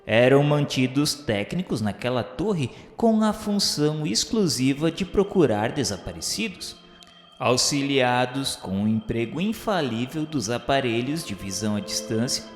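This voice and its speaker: Male radio-novel narrator, solemn and measured, mid pitch, echoey reverberant room, faint music bed. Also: sing-song. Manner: measured, solemn literary reading.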